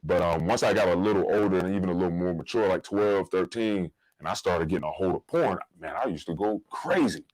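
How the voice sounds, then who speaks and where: A man's voice: deep voice, fairly quick, few pauses, a little mellow, no echo, poor audio. An American man hosting a podcast, talking casually in informal slang as he shares personal stories and advice. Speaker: podcast host.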